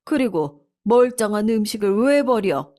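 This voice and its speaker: A woman's voice: mid-range voice, animated, a little slow, warm tone, natural voice. Casting: strict older mother-in-law, firm and scolding, storybook reading, by a woman.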